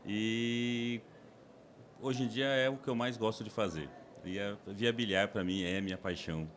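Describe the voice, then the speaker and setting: A man from the interior of São Paulo state, Brazil, appears as a guest endoscopist in a podcast interview, explaining his work with frequent restarts and fillers. His voice is fairly low yet fairly bright in tone, steady and unhurried, with slight background noise.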